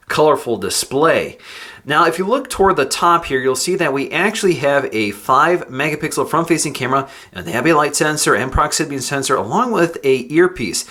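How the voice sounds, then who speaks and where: A man reviewing tech, calmly explaining each step of a phone unboxing as he goes. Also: medium pitch. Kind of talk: product unboxing walkthrough.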